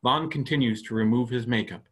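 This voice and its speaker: A man reading stage directions as scripted narration, measured and plain, for a staged reading. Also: medium pitch, slightly rough.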